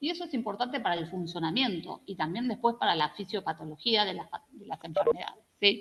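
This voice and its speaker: A woman at medium pitch, talking at a fairly quick pace with very wide pitch swings. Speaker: medical lecturer. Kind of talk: lecture. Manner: fast.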